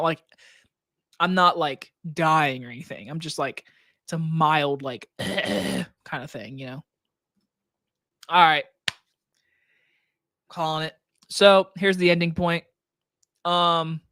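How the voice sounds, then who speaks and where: A man with a scratchy, hoarse throat hosting a casual live stream Q&A from his desk, talking loosely with plenty of likes and restarts into a microphone on a boom arm. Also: slow pace, long pauses, bright, forceful tone, dry recording, studio quality. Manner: loose, rambling talk with many likes and restarts. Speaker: movie reviewer and channel host. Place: home desk setup.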